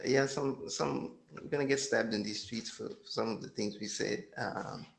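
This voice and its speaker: A man's voice: medium pitch, normal speed, creaky. A man co-hosting a casual podcast chat, teasing and sarcastic in his banter. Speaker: podcast co-host.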